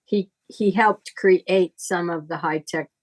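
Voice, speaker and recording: A middle-aged woman teaching informally in conversation, explaining things in a halting, deliberate, reflective way. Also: fairly low pitch, steady tone. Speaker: astrology teacher.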